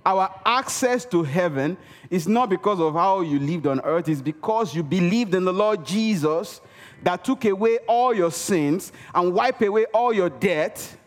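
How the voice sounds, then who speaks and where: Man, preacher, sermon, emphatic, repeats words for effect, slightly high voice, long hall reverb. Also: lively intonation, measured pace. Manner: calls for audience response. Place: church hall.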